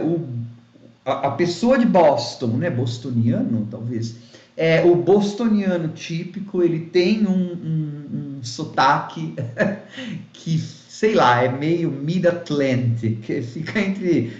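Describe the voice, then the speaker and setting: A man's voice: a little high, darkish tone. A man giving a casual spoken documentary review, rambling with many fillers and restarts. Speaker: YouTube film reviewer. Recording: echoey room, dull lo-fi sound.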